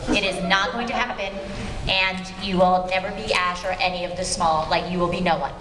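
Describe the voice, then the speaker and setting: A woman's voice: lowish voice, fairly even intonation, brisk, a bit bright. A woman speaking as a voice actor at an informal workshop, explaining things conversationally with rambling asides. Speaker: voice actor giving a panel talk. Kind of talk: informal workshop talk to an audience. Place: convention panel room with audience. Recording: echoey hall, clear background noise.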